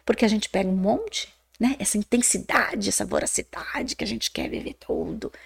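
A woman psychologist with a Brazilian Portuguese accent, explaining ideas in an animated podcast chat, often tagging her sentences with a questioning "né?". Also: medium pitch, normal speed, creaky, slightly rough. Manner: animated, acts out quoted voices, many "né?" tags. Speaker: psychologist guest.

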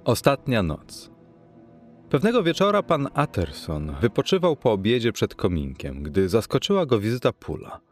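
A man narrating a classic novel as an audiobook, in a measured, expressive reading. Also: medium pitch, faint music behind.

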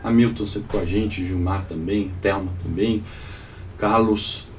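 Brazilian man, deep pitch, thick sore-throat voice with a head cold, swollen-tonsils sound, informal finance host, distant mic, faint background noise. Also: steady tone, unhurried. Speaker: host of a live financial morning call. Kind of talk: informal live market commentary with audience questions.

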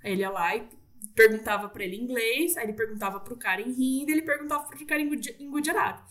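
A woman telling stories as an interview guest, in a chatty, animated way with lots of fillers. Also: fairly high pitch, fast talker, far from the mic. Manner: chatty, animated, frequent fillers and quoted asides. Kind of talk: casual interview storytelling.

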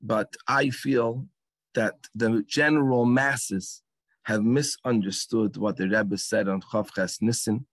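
A man's voice: lowish voice, no echo. English-accented man telling a story. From England. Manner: animated storyteller, acts out lines with dramatic pauses. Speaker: speaker at a gathering. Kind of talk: storytelling talk at a religious gathering.

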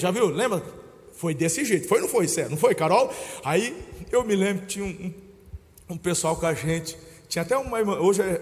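A Brazilian man preaching a sermon, telling stories and calling his listeners brother, swinging between hushed moments and loud shouts. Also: sits high, long reverb tail. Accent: Brazilian Portuguese. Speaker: pastor.

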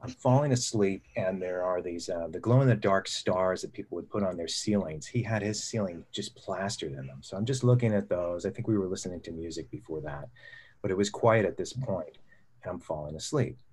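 A man's voice: low-pitched, animated, a little fast, a little mellow, slight background noise. A middle-aged man, a filmmaker guest, earnestly recounting a personal experience in casual conversation, often restarting his sentences. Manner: earnest, reflective, frequent restarts. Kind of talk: casual storytelling.

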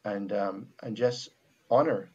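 The speaker is a Bajan-accented missionary guest from Barbados in an easygoing faith conversation, thoughtful yet hesitant with frequent restarts. His voice is husky and on the low side, with lo-fi sound.

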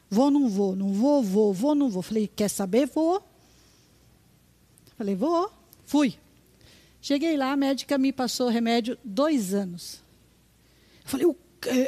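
An older woman from Brazil with a high voice tells a religious testimony. She is a retired schoolteacher and tells it as an animated story, repeating words and acting out the dialogue.

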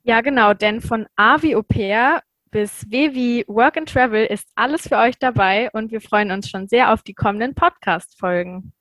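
A woman in her twenties co-hosting a podcast, brisk and fluent. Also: a little high, fairly bright tone, dry recording. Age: 20s. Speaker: podcast co-host. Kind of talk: casual podcast chat.

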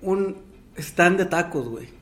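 A man's voice: high voice, expressive, slow pace, a bit bright. A man with a Mexican accent as podcast co-host, chatting casually with teasing, dry quips. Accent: Mexican Spanish. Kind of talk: casual chat.

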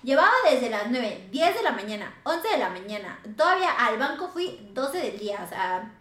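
Mexican woman, high voice, animated gossip storytelling, echoey room. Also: moderate pace. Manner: animated, swears a lot, acts out quoted dialogue. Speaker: podcast host. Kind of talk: casual storytelling chat.

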